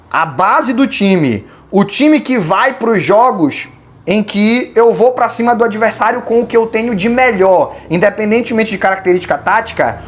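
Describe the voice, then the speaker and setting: A host from Belém do Pará, Brazil, with a Brazilian accent, answering viewer questions in casual, opinionated commentary and reasoning out loud. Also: mid-range voice. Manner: opinionated, colloquial, reasoning aloud. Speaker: channel host.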